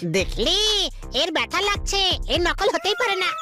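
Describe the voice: An extremely high-pitched, cartoonish character voice speaks at a moderate pace. Clear background noise runs underneath.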